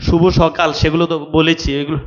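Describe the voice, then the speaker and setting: A man, pitched a little high, lectures students on exam rules in an instructive way. He repeats each point and keeps checking that they follow. The recording sounds roomy and dull, with a lo-fi quality. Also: little pitch movement, fast talker. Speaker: admission test tutor. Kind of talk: online exam-prep lecture.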